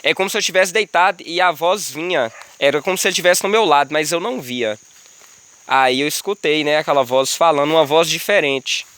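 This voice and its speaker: A man's voice: fairly high pitch, fairly quick, a bit bright, clean tone. A man, outdoors by a river in a rural area, earnestly telling viewers about a spiritual experience in casual, repetitive speech. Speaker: vlogger sharing a spiritual experience. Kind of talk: casual spoken testimony. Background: insects and crickets, running water.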